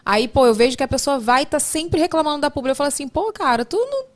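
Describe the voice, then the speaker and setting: A woman with a Carioca accent hosts a casual podcast. She speaks fast in a somewhat high voice. She teases her guest as she asks her questions. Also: expressive. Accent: Carioca Portuguese. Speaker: podcast host.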